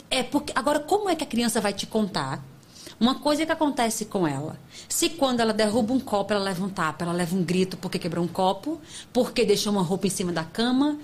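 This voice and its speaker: Emphatic woman psychologist on a podcast. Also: a little high. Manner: emphatic, lively, animated explaining. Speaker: psychologist guest. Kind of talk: podcast interview talk.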